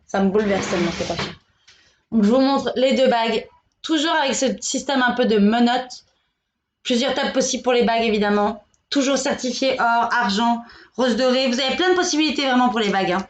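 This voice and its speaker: Chatty woman pitching jewelry on a live stream. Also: a little fast. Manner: chatty, joking, pushy salesy banter. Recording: echoey room, dull lo-fi sound.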